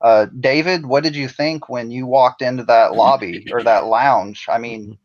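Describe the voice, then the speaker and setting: A man tells anecdotes in easy, chatty podcast talk at an ordinary pitch. His audio sounds dull and lo-fi, as if from a remote line. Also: normal speed. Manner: chatty, telling anecdotes with a laugh. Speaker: writer guest. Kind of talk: casual podcast discussion.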